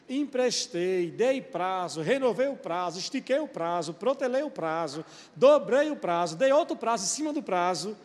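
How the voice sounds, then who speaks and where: A male pastor preaching a sermon, putting rhetorical questions to the congregation. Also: sits high. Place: church. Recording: long church-hall reverb.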